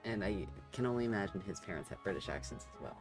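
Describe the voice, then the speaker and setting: A man's voice: lowish voice, animated, fast talker. Playful guy cracking jokes on stream, faint music in the back. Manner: joking, teasing, playful. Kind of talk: casual chat while gaming.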